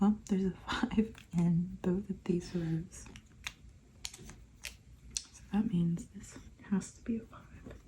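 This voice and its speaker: The speaker is soft-spoken. Noticeable background noise runs underneath. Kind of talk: ASMR sudoku walkthrough talking to camera.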